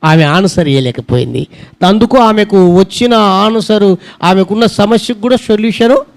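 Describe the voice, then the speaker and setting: A man's voice: sits high, moderate pace. A male pastor preaching a sermon, pressing his listeners with repeated rhetorical questions in an earnest, emphatic manner. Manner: repetitive rhetorical questions to the congregation.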